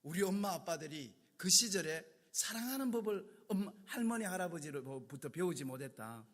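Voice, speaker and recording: A man's voice: high-pitched, moderate pace. A male pastor giving a sermon, telling stories animatedly and acting out conversations. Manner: animated storytelling, acting out dialogues. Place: church sanctuary. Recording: long church hall reverb.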